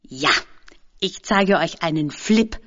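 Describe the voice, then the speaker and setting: An eager, chatty young boy skateboarder from a storybook, his voice set a little low and husky, as a woman narrator puts him on. He talks quickly and keenly, full of slang. The recording sounds dull and lo-fi. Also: lively intonation, a bit bright, exaggerated voice.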